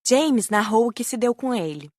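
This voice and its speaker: A woman's voice: fairly high pitch, lively intonation, normal speed, a little mellow, no echo, clean studio sound. A woman reading scripted storytelling narration as the narrator of an audiobook.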